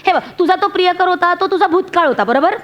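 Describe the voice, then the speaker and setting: Bossy love guru lady, high voice, soothing callers then snapping at the host. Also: lively intonation, fast talker, a bit bright, lo-fi sound. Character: bossy middle-aged woman love-advice guru. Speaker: agony aunt guest on a comic talk show.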